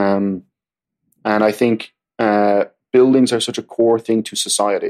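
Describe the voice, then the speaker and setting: This is a man's voice. He speaks with an Irish accent. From Ireland. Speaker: startup founder, software CEO. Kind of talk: interview conversation. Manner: enthusiastic, animated.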